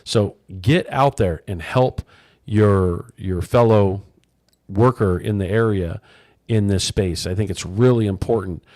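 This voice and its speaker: Loud, lively radio host. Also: male voice, on the low side, unhurried, no echo, clean studio sound. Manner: loud, energetic storyteller. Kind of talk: casual chat.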